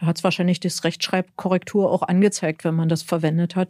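A woman speaks with a fairly low pitch in a normal speaking voice. The sound is dry and close with no echo. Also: very clean recording, silent background. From eastern Germany, Spreewald (Lusatia). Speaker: psychology professor. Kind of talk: interview. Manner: frequent tag 'ne?'.

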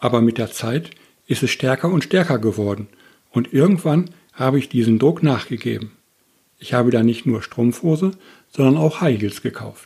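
Dark, mellow, somewhat breathy male voice at medium pitch with ordinary pitch variation, a moderate pace and long, frequent pauses. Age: 50s. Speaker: interviewee sharing personal experience.

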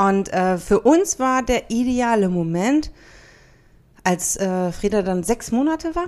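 Speaking at a very slow pace, a woman uses a fairly high pitch with very wide swings and long, frequent pauses. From Berlin, Germany. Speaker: podcast co-host. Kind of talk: casual chat.

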